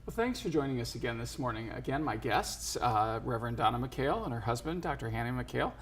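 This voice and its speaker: A man hosting a local faith talk show, easygoing and halting, with many fillers and restarts. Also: mid-range voice, animated. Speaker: host.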